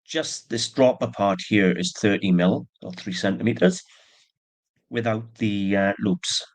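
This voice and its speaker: A man with a low, deep voice talks casually through a jewelry haul. He is stuffy with allergies and keeps a chatty, plain manner with small asides. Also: unhurried. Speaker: antique jewelry seller. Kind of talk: casual show-and-tell narration.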